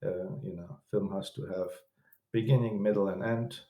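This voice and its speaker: A man from Poland with a Polish accent, a film director and producer, talking as a guest in a casual interview, halting and restarting often with broken grammar. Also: sits low, steady tone, mellow, reverberant. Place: room in London.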